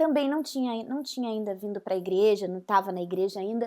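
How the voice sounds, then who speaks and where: A woman's fairly high voice, with ordinary pitch variation, comes through on a very clean recording with a silent background. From Brazil, Rio de Janeiro. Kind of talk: casual devotional talk to camera. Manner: halting, many restarts.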